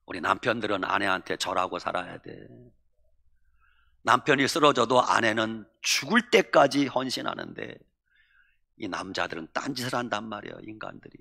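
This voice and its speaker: A male pastor preaching a sermon dramatically, swinging from shouting to near whispering. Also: lowish voice, very animated, moderate pace, gravelly. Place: church sanctuary. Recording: echoey church hall.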